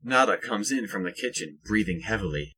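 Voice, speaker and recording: A man with a husky voice reading scripted narration for an audio drama. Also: fairly low pitch, animated, fairly quick, sharp tone.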